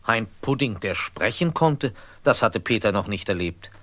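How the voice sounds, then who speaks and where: Animated, low-voiced male storyteller. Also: moderate pace. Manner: expressive storyteller. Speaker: narrator. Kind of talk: scripted children's story narration.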